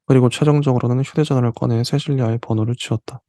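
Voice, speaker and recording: Mellow-voiced man reading fiction aloud. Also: mid-range voice, steady tone, no room sound. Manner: reads passages slowly, then comments with soft fillers. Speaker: literature channel host. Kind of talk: reading aloud and explaining a novel.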